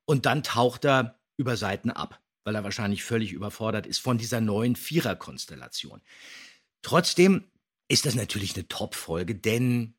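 Slightly husky male podcast co-host. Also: fairly low pitch, expressive, normal speed. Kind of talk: casual podcast review of an audio drama episode.

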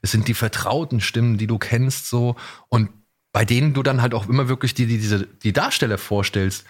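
A man's voice: mid-range voice, normal speed. A man hosting a podcast in casual chat, speaking enthusiastically in a rambling way and often correcting himself. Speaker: podcast host. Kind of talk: casual podcast chat about audio dramas.

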